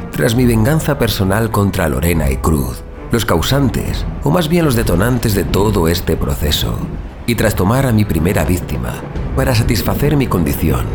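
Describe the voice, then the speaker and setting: A man playing a gleefully sadistic undead killer who narrates his murders with theatrical, sardonic menace in a horror audio drama. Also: low voice.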